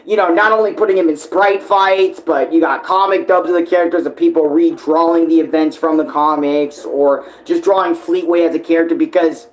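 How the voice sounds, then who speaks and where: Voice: mid-range voice, fairly even intonation, fairly quick, few pauses, poor audio. American streamer rambling casually, emphatic and slangy. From United States (Phoenix). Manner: emphatic, conversational, peppered with slang and swearing. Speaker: streamer and video creator. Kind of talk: casual rambling fan commentary.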